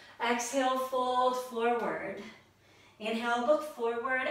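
Strong room echo surrounds a woman speaking at a high pitch and a fairly slow pace. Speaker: yoga teacher. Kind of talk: guided yoga instruction. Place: home room.

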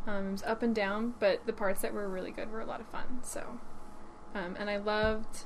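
Noticeable background noise accompanies a woman speaking at a moderate pace with a fairly high pitch and monotone, flat intonation. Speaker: podcast co-host. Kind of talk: casual chat.

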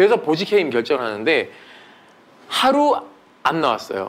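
Very wide pitch swings at a moderate pace. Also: man. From South Korea. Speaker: military human rights activist; talk show guest. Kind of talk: interview. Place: studio. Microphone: lapel.

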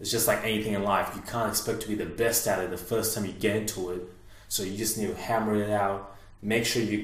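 Audible room echo surrounds a man who speaks fairly quickly with a fairly low pitch and monotone, flat intonation. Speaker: self-improvement vlogger. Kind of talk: casual vlog chat. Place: home room.

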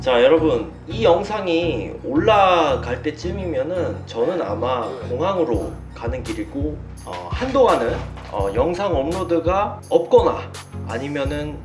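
A man at a very slow pace over clear music in the background. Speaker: vlogger. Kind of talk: casual vlog chat. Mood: excited about trip. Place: home room.

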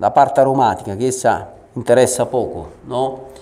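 Here a man talks at a fairly slow pace. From Italy. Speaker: gelato instructor. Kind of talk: tutorial; lecture. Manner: halting. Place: classroom.

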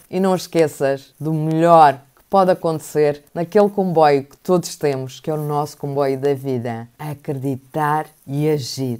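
In a European Portuguese accent, a woman speaks at a fairly slow pace with a very deep, low pitch, a dark, mellow tone, ordinary pitch variation and big swings in loudness, over a quiet background. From Portugal. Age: 50s. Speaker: YouTuber. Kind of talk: casual vlog talk. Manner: animated. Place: home room. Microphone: earbuds.

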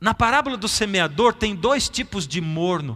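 A man speaks at a moderate pace in a high, bright and sharp voice, raised and projected, with an animated tone. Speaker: preacher. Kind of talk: sermon. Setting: church. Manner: animated, conversational; rhetorical questions, audience-engaging. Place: church. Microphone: headset.

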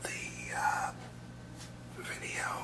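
Someone whispers at a very slow pace. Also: man. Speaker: ASMR creator. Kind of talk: ASMR whispering, casual talk to camera. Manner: whispered. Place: home room. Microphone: webcam.

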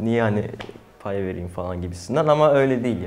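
His pitch swings very widely as the man speaks at a fairly quick pace. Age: 20s. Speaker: rapper. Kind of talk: casual interview. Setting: studio. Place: studio. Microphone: lapel.

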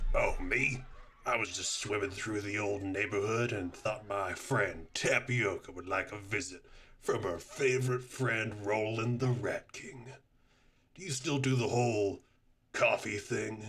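In a cartoonish character voice, a man talks at medium pitch and a moderate pace. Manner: flamboyant, pushy, overfamiliar.

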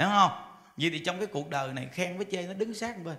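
The speaker is a man. He uses lively intonation. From Vietnam. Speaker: Buddhist monk giving a dharma talk. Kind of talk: sermon. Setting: temple hall with audience. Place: hall. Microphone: handheld.

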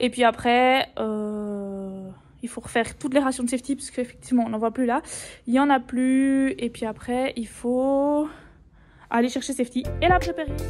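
Her pitch is high, with ordinary variation. This woman speaks at a moderate pace. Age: 20s. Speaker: horse owner. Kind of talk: casual vlog chat. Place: farm machine. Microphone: phone near.

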